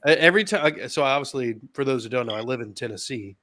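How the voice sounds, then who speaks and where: A man's voice: medium pitch, lively intonation, fast talker, sharp tone, no echo. Laid-back Southern man, dry close sound. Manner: laid-back, reads injury lists with hesitations. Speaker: podcast co-host. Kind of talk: casual sports chat.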